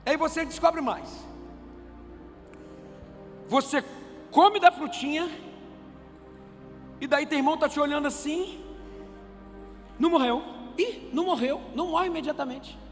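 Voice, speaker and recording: A man with a Brazilian Portuguese accent preaching a sermon, animated and conversational, asking the congregation rhetorical questions. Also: very high-pitched, measured pace, long pauses. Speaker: pastor. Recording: reverberant church hall with faint music.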